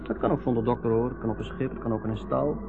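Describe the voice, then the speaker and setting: Actor as a brisk young doctor, tinny old recording. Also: male voice, mid-range voice, creaky, lightly acted. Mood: talkative, reassuring. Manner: chatty, reassuring, repeats himself. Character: young hitchhiking ship's doctor, brisk and reassuring. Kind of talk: Dutch radio play acting. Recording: noisy narrowband old radio recording.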